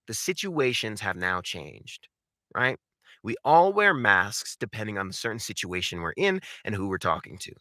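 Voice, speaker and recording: A man coaching in an informal instructional style, animated and emphatic, speaking directly to his viewers. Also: fairly low pitch, no echo, clean studio sound. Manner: animated, emphatic, uses rhetorical questions and repetition. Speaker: voice acting coach and video host. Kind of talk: instructional talk to camera.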